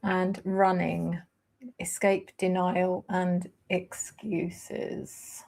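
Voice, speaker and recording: A woman hosting a live tarot stream, laying out cards and thinking aloud with hesitant pauses. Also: lowish voice, little pitch movement, gravelly, a little mellow. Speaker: tarot reader host.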